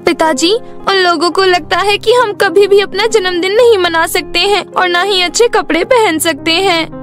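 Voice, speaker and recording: Woman doing a little girl cartoon voice, super high, sweet n earnest, music behind. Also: normal speed, a bit bright. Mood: hurt. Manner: earnest, childlike. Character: sweet, wistful young girl, youngest of five poor sisters. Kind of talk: cartoon story character acting.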